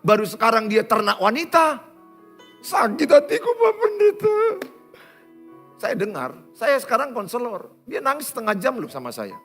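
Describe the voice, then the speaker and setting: A male pastor preaching a sermon, dramatic, swinging from loud exhortation to low, intimate talk and acting out his congregants' voices. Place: church auditorium.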